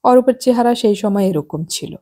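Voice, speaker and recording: A woman narrating a novel as an audiobook in calm, even storytelling. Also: medium pitch, normal speed.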